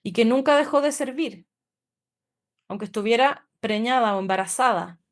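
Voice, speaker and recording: A woman's voice: on the high side, moderate pace. Woman lecturing, hesitant. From Chile. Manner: hesitant, many fillers and tag questions. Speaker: guest lecturer. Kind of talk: academic lecture.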